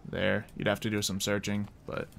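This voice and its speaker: A man's voice: lowish voice, completely flat delivery, moderate pace, creaky, slight background noise. A man acting as game master, explaining the scene casually and loosely with some hesitation. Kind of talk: casual tabletop game narration.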